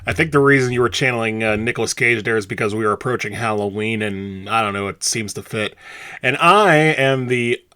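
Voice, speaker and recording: A man's voice: on the low side, flat delivery, quick pace, hardly any pauses, pushed and bright, dry recording. A man co-hosting a music podcast, speaking casually and matter-of-factly. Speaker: podcast co-host.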